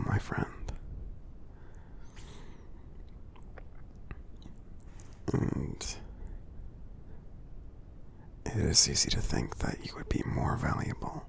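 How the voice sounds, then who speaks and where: A gentle giant acted by a man murmurs ASMR affirmations in a breathy near-whisper. The delivery is slow and heavily creaky, reassuring and earnest, with a melody that swings widely. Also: very deep voice, exaggerated voice. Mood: tender, reassuring. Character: kindly giant friend, gentle, reassuring, encouraging.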